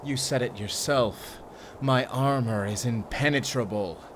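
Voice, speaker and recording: A man's voice: mid-range voice, measured pace, noisy background, natural voice. A man playing a gloating, menacing fantasy villain in an audio drama, with a mocking, theatrical delivery. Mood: threatening.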